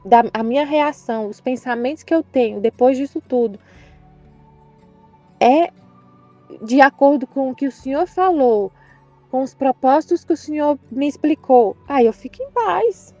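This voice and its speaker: A Brazilian woman with a fairly high voice speaks earnestly about her faith, searching for words and circling back as she goes. The sound is dull and lo-fi, with soft music under her voice. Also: expressive, moderate pace. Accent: Brazilian Portuguese. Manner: earnest, rambling, with frequent restarts and hesitations. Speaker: Catholic channel presenter. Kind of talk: personal spiritual reflection.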